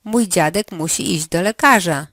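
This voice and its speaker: A woman running a language lesson, giving slow, carefully articulated prompts for the learner to answer. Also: lowish voice, a bit bright, no room sound, studio quality. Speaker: language teacher.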